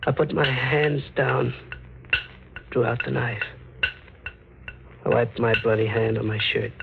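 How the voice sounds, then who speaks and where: Haunted American fugitive, old radio horror. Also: male voice, medium pitch, little pitch movement, unhurried, vocal fry, background noise. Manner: terse, dramatic delivery in short clipped sentences. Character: wounded, feverish, haunted man on the run. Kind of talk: 1940s American radio horror acting, first-person narration. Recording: old radio recording with music behind. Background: music.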